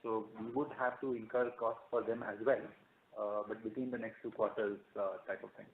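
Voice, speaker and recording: A man with an Indian accent giving formal, halting answers as a finance executive on a conference call. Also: fairly low pitch, fairly even intonation. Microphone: telephone conference line. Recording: narrowband phone line with background noise.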